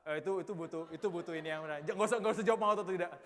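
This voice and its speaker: A man's voice: high-pitched, rapid-fire. Young man preaching in a reverberant hall. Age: 20s. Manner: casual, chatty, banters with the audience. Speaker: youth preacher. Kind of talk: youth sermon. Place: church hall.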